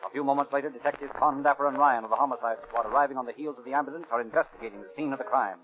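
A man's voice: medium pitch, racing, close to an everyday voice. A man narrating a 1930s radio crime drama. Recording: narrow, phone-like old radio recording.

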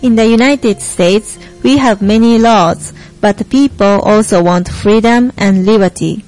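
A woman's voice: mid-range voice, measured pace, darkish tone, close to an everyday voice, rough recording. A young woman playing an earnest American Christian panelist in a scripted student stage play, over music. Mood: earnest, measured. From Japan. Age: young adult. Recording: music behind the voice.

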